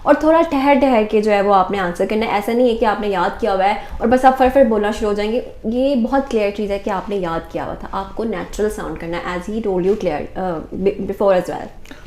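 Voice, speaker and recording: A woman's voice: mid-range voice, moderate pace, darkish tone. Pakistani woman host in an echoey room. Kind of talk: interview conversation.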